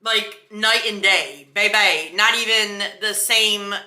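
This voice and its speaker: A woman's voice: medium pitch, takes it slowly, pushed and bright. A woman giving a casual, chatty beauty product review in a sassy, emphatic, slangy way. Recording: roomy indoor echo.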